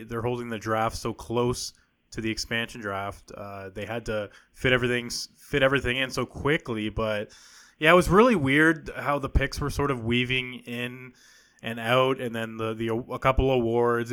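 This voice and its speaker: A man's voice: medium pitch, pushed and bright. A man hosting a hockey podcast, chatting casually with a guest and often restarting his sentences with fillers. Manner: conversational, with frequent fillers and restarts. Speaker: podcast host.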